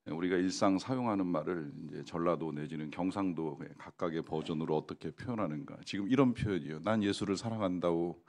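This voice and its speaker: Low-voiced Korean pastor preaching conversationally. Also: male voice. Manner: conversational, asks the congregation questions, frequent fillers. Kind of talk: sermon. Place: church sanctuary.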